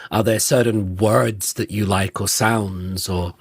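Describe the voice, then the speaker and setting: A man hosting a podcast interview, asking questions in a relaxed, musing and self-deprecating way. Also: fairly low pitch, slow pace, slightly rough, no echo, studio quality. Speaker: podcast host.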